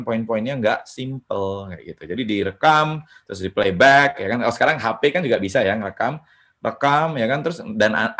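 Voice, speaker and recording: Mentoring at an online hackathon from a home setup over a video call, a man with a medium-pitched, fairly bright voice gives casual presentation advice. He keeps adding "ya kan" and "gitu" and slips English phrases into his sentences.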